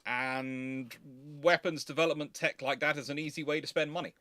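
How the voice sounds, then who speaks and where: A man's voice: a little high, steady tone, normal speed, sharp tone, no room sound. Emphatic man explaining, dry close sound. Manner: emphatic, repeats and qualifies points carefully. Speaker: host of naval history live Q&A. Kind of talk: casual live commentary, explaining.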